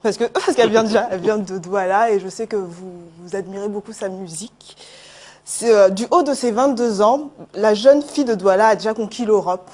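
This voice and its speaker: A woman presenting a music segment on a TV news set, speaking in a lively, flowing way. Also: mid-range voice, normal speed. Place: TV studio.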